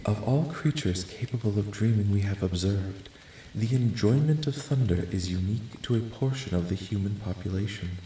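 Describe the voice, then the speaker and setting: A man voicing a calm, curious, clinical alien researcher in a soft-spoken ASMR roleplay, with measured, formal, detached questioning. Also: on the low side, lightly acted. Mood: detached curiosity. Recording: roomy echo, light background noise.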